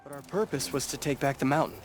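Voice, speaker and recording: An actor playing an uneasy, questioning tribal hunter in a video game, speaking plainly and urgently. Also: male voice, mid-range voice, quick pace, natural voice. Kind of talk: video game cutscene acting. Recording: music under the voice.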